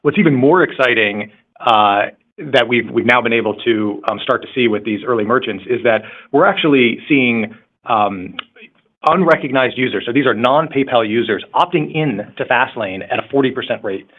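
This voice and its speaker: A man, a company executive, answering questions on an earnings call in a halting way, repeating words. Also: mid-range voice. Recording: muffled narrow-band conference call line.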